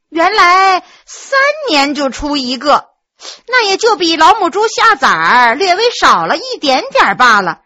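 A woman voicing a lively, sharp-tongued young butcher's daughter who mocks a new scholar. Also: high voice, exaggerated voice. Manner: teasing, mocking.

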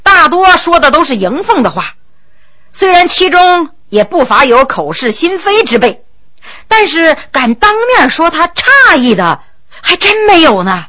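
A woman storyteller narrating a traditional tale in a lively, animated way. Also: sits high, a little slow.

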